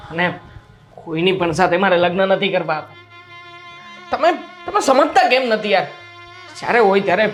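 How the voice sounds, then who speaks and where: An actor voicing a stubborn, grieving young man who pushes back with weary exasperation. His voice sits fairly high. Soft music plays underneath. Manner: insistent, exasperated. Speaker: young man refusing marriage. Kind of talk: family drama acting.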